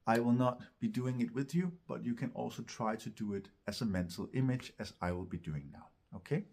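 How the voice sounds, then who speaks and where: A man coaches singers through a technique in an informal, instructional way. His mid-pitched voice is husky and full of creaky fry. He explains step by step and often checks that the listener follows. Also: a little mellow. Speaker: vocal coach. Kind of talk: instructional vocal technique lesson.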